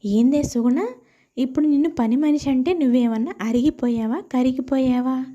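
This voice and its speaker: A woman voicing a bitter, domineering older mother-in-law with a sharp-tongued, taunting manner in a moral story. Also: high-pitched, normal speed, highs cut off. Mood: scolding.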